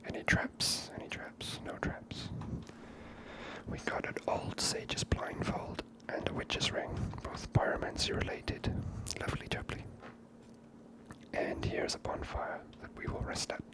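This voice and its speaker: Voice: unhurried, low-quality recording. Whispering game commentator. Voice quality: soft unvoiced whisper. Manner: gentle, musing aloud, low-key. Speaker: video game player and narrator.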